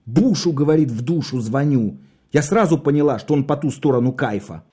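A man's voice: fairly high pitch, a little fast, warm tone, slightly rough. A man voicing an anxious, tearful young woman who talks in a fretful, pleading way.

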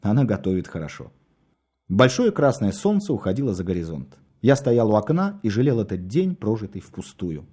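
A man reading a story aloud, expressive and wry in his storytelling. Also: on the low side, moderate pace, hardly any pauses, husky. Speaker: narrator. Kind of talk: audiobook narration.

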